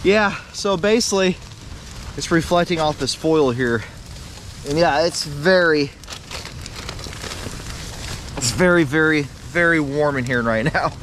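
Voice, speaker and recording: A man in his forties vlogging outdoors in snowy woods at night, chatty and quick to laugh, with his camera mic catching the wind. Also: fairly high pitch, fairly bright tone. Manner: chatty, laughs often, exclaims at the cold. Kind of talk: casual outdoor vlog. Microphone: camera mic, wind noise. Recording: windy outdoor camera audio.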